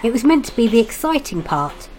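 Woman as animated pantomime narrator. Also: a little high, fairly quick, a little hiss or hum, rough recording. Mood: improvising. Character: exasperated pantomime narrator improvising to save the show. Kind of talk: storytelling narration with comic asides.

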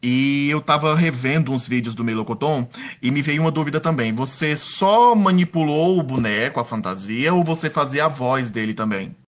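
A man's voice: medium pitch, normal speed. A man hosting an interview, asking questions with enthusiasm and frequent exclamations. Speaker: interview host.

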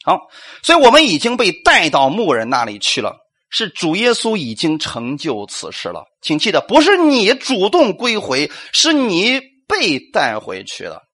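A man preaches a sermon in a high voice that swoops up and down with lively energy. He fires rhetorical questions at the congregation, acts out little quotes and keeps calling for amens. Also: moderate pace, breathy edge. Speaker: pastor.

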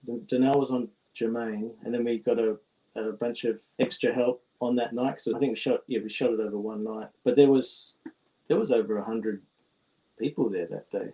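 A makeup artist on a panel, a man answering questions in a halting way, searching for words. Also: medium pitch, fairly even intonation, mellow, low-quality recording.

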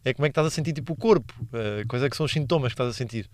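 A man's voice: medium pitch, rapid-fire, no room sound, studio quality. A young man with a European Portuguese accent hosting a casual solo podcast, slangy and rambling, laughing at his own stories. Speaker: podcast host.

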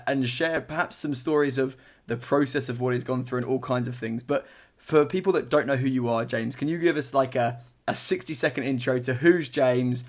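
An enthusiastic man hosts a podcast, interviewing his guest in an upbeat way and laughing often. His voice sits at an ordinary middle pitch. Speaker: podcast host.

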